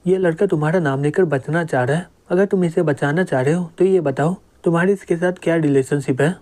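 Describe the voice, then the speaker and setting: Man reading a threatening young security chief; mellow tone, a touch high. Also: a little fast, natural voice. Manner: blustering, threatening.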